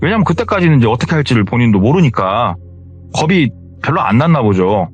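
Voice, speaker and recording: A man recounts a scary true story in a relaxed, conversational manner. His mid-pitched voice moves up and down in a lively way. Faint music plays in the background. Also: fast, breathy edge, lo-fi sound. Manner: conversational, retelling what he heard. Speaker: horror story narrator. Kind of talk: casual horror storytelling.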